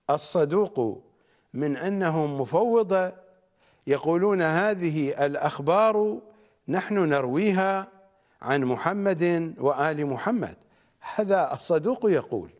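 Man, religious lecturer, fairly high voice, very slow measured delivery, emphatic peaks. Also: darkish tone. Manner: deliberate, emphatic, rising on key words. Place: studio.

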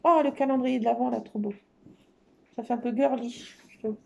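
Her voice on the high side with vocal fry and fairly even intonation, a woman talks fairly quickly while excitedly showing off scrapbooking paper. She fills her speech with fillers and keeps saying "trop beau." The recording is muffled.

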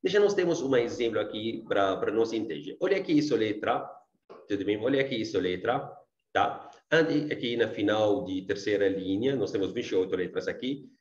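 A man's voice: lowish voice, lively intonation, moderate pace, reverberant, highs cut off. A man with an Arabic accent teaching a beginners' language lesson online. He repeats his points and keeps checking in with his students. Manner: repeats himself, checks in often with tá and gente.

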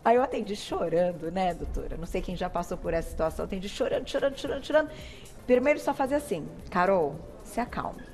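A middle-aged woman with a Brazilian accent, hosting a TV talk show and telling personal stories in a warm, chatty way. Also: medium pitch, expressive, fast talker, faint music behind. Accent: Brazilian Portuguese. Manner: warm, chatty, emotional storytelling. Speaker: TV show host.

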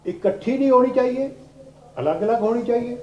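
A man's voice: very high-pitched, normal speed, darkish tone. An older man with a Pakistani accent giving a classroom law lecture, explaining step by step with repetition and English legal terms. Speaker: law lecturer, retired judge. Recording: roomy, dull classroom recording with background noise.

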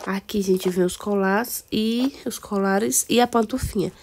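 A woman with a Brazilian accent and a cold, hoarse, chatting casually to viewers through a game walkthrough. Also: medium pitch, steady tone, a little slow, darkish tone, a little hiss or hum. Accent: Brazilian Portuguese. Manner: chatty, addresses viewers as "amores". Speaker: gameplay video host.

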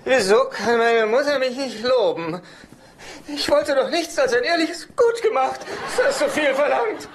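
An actor playing a needy, whiny dad who talks in a hesitant, indignant stammer, in a German-dubbed TV sitcom. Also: male voice, extremely high pitch, animated, measured pace. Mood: drunk, maudlin. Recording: noisy TV soundtrack with studio laughter.

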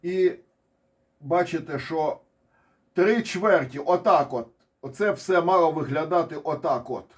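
Speaking unhurriedly in a fairly high voice, this Ukrainian-accented man offers ironic, offhand commentary on war charts. As a military commentator, he keeps digressing and restarting.

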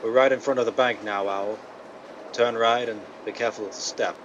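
A man playing a smooth but nervous crooked businessman in a 1930s style radio drama. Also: on the low side, steady tone, brisk, noisy background, close to an everyday voice. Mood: confident. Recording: dull band-limited vintage-style radio sound.

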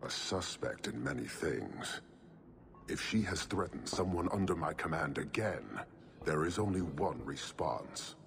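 An actor playing a stern, solemn horned warlord in a video game, speaking in a slow, measured, formal way. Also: male voice, very deep voice, expressive, creaky, heavily acted. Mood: cold menace.

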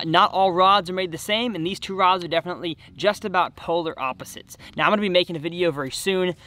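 A man's voice: fairly high pitch, bright, forceful tone. A man in his twenties giving casual, enthusiastic instruction to camera as host of an outdoor fishing channel. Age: 20s. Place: outdoors on a bass boat by a reedy shore.

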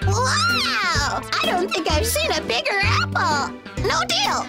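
Tiny high-voiced stubborn turtle kid, drawls slow, cartoon, music loud. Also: wildly swooping pitch, full character voice. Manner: stubborn, possessive. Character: stubborn little boy turtle, seven. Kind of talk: cartoon voice acting.

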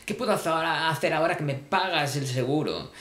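Male comic, frantic and repetitive, high-ish voice, roomy echo. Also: fast, a bit bright. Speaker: comedian. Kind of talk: absurd comic monologue.

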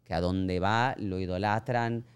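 Smooth-voiced Argentine man chatting. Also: low voice, measured pace. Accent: Argentine Spanish. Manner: expressive, acts out quoted voices. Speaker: actor guest. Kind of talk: casual podcast chat. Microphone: studio podcast mic.

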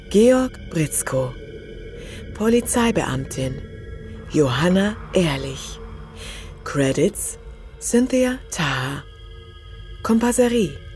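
A female announcer reads out scripted audio drama credits. Her voice is low and extremely unhurried, set over a music bed. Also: darkish tone. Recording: music behind the voice.

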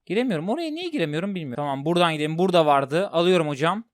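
A man commentating a horror game as he plays, talking to his viewers and jumping into loud yelps when scared. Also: fairly high pitch, lively intonation, rapid-fire, no echo. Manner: talks to viewers while playing, jumpy and loud when scared. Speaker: gaming streamer.

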